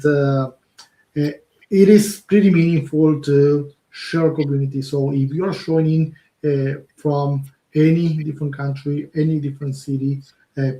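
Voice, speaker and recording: Uruguayan man, webinar co-host, raised pitch, roomy echo, lots of uh's. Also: dark tone. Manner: talks with many fillers and restarts. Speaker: co-presenter. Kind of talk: tech webinar talk. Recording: echoey room sound.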